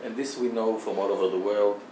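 A man's voice: lowish voice, steady tone, fairly quick, mellow, distant mic. Formal male interviewer in an echoey room. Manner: formal, flowery phrasing. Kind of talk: interview questions. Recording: echoey room, faint hiss.

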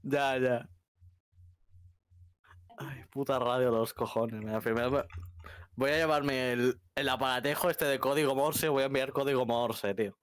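A man with a Spanish accent from Spain chats casually with fellow gamers. He grumbles and curses freely in a medium-pitched voice, recorded dry without room sound. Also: fairly even intonation, unhurried, long pauses, clean tone, dry recording. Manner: sweary, grumbling. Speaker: online roleplay gamer. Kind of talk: casual chat among friends.

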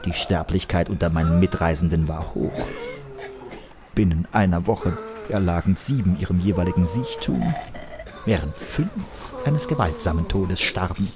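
A man's voice: low voice, moderate pace. A man narrating a scripted first-person adventure in a grandiose, ornate storytelling manner. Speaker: narrator and hero of an audio play.

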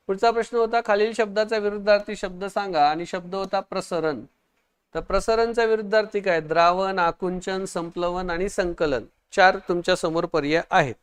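A man teaching an online exam-prep lesson, quizzing viewers, urging quick answers and praising their comments. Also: sits high, clean tone.

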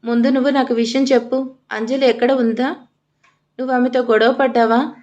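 An anxious, loyal young man in an audio storybook, talking fast and urgently to a friend in trouble, voiced by a woman in a fairly high voice. His tone is pressing and protective. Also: flat delivery, a little mellow, highs cut off, natural voice. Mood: exasperated. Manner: hurried, urgent pleading. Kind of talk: storybook narration with quoted dialogue.

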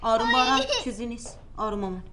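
An actress playing a young mother in a film drama, hushing her child in a soothing but strained way. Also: fairly high pitch, natural voice. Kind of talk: Iranian film drama acting. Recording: film soundtrack with clear background noise.

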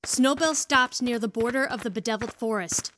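A woman's voice: on the high side, brisk, a bit bright, slight background noise. A woman narrating a scripted story as the narrator of an audio drama.

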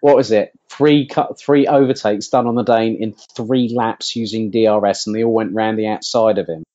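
A man on a motorsport podcast panel, wry and quick to laugh in casual chat. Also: lowish voice, fairly even intonation, dark tone, muffled recording.

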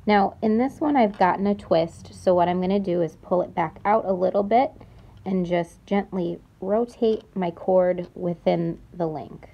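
A young adult woman gives a careful, step-by-step craft tutorial at a measured pace, repeating key words to emphasize them. Her voice sits on the lower side, and the recording has its highs cut off.

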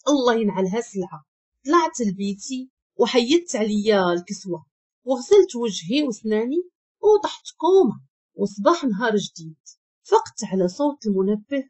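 A woman with a Moroccan accent narrating a first-person story in a lively, expressive way. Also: a little high, slightly rough. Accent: Moroccan Arabic.

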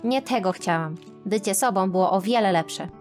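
Female narrator for a first-person animated story, expressive and dramatic, middle pitch, faint music bed. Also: normal speed. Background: faint background music.

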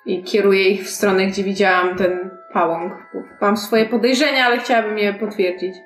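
A woman's voice: medium pitch, fairly even intonation, normal speed. A woman chatting casually as a player in a tabletop role-playing game, speaking for her character. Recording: roomy echo, faint music behind.

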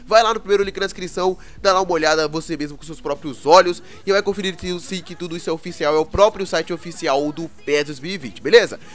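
A young Brazilian man with a cold, his voice congested and hoarse, chatting casually through gaming news and constantly checking in with viewers. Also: fairly high pitch, quick pace, hardly any pauses, fairly bright tone, faint music behind. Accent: Brazilian Portuguese. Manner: chatty, keeps asking the viewers "né, cara?". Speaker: gaming YouTuber.

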